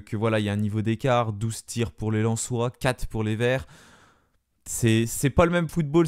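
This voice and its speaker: A man talks through a football match on his own, hesitating often and restarting his sentences. His voice is smooth and clear at a middling pitch. The recording is dry and close, with no room sound. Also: a little mellow, dry recording. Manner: hesitant, many fillers and restarts. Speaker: fan channel host. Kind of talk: solo match debrief.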